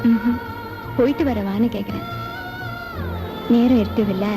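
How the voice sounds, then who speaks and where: Timid young village girl in a film, played by a woman, slightly high and hesitant. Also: steady tone, normal speed, close to an everyday voice. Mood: shy. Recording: film soundtrack over guitar music.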